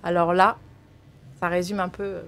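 A woman's voice: lowish voice, little pitch movement, normal speed, fairly bright tone. A woman in her thirties co-hosting a radio talk show, pressing the guest with questions at a studio mic. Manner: pushes the guest with questions, teasing. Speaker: radio co-host. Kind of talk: casual studio chat. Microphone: studio mic on boom, headphones.

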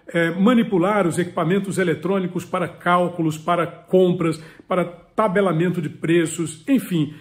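A man in his fifties with a noticeably high voice lays out advice step by step. He sounds earnest and didactic and hammers key words through repetition. He is recorded close up in a home study. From Piauí, Brazil. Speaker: political commentator and channel host. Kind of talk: direct-to-camera advice talk. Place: home study with full bookshelves. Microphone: webcam or phone close up, head and shoulders.

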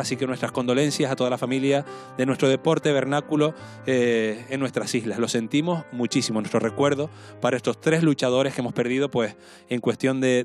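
A man's voice: medium pitch, a little mellow. A man in his thirties with a Canarian Spanish accent, presenting a television show into a handheld microphone. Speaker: television host. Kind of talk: presenting a live folk music show. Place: large studio-like set with seated guests.

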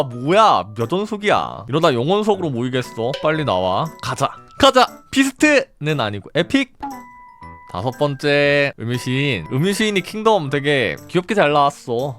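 A male game channel host giving chatty, excitable commentary on each gacha pull. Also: on the high side.

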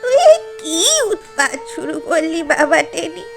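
Comic drama aunt: slow, lamenting scold, piercingly high voice, faint music behind. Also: female voice, expressive, vocal fry, exaggerated voice. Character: exasperated, wailing aunt of a troublesome youth. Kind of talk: comic audio drama acting.

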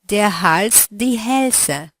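Female teacher voice, unhurried and precise, dry studio sound. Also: mid-range voice, lively intonation, no room sound. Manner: slow, carefully articulated prompting. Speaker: language teacher. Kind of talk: language lesson drills.

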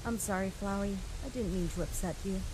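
A woman playing a gentle, uneasy young human adventurer in a comic dub, soft, hesitant and sincere. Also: medium pitch, fairly quick, long reverb tail, noisy background, lightly acted. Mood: apologetic. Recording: music behind the voice.

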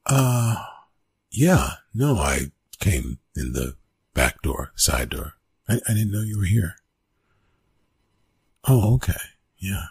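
A man playing a flustered, awkward young college bully in a one-sided ASMR roleplay, stammering and evasive, with a husky, gravelly voice. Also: deep voice, very animated, slow, long pauses, darkish tone, dry recording, clean studio sound, heavily acted. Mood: nervous, caught out. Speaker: roleplay audio performer.

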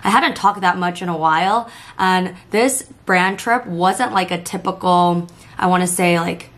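A young woman chatting casually to camera in a vlog, her voice hoarse and worn after days of nonstop talking, upbeat, with lots of "like" fillers. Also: fairly low pitch, unhurried, a bit bright. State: hoarse, voice partly lost. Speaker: lifestyle vlogger. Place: hotel room and home bedroom, indoors. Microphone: camera facing her at arm's length.

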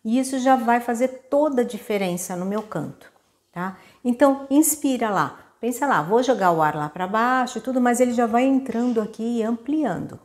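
A Brazilian woman who teaches singing leads a vocal lesson with demonstrations, patiently walking through breathing step by step and often checking in with her students. She has a Brazilian Portuguese accent and a slightly mellow, higher-pitched voice at a moderate pace.

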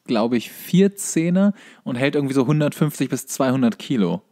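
A man's voice: medium pitch, expressive, normal speed, dark tone. A man chatting casually as a podcast co-host, laconic and offhand. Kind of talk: casual chat.

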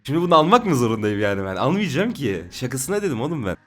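Fast-talking young man streaming a game. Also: mid-range voice, big pitch swings, faint music behind. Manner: fast, swearing, mock-angry outbursts. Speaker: gaming streamer. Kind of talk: casual gameplay commentary.

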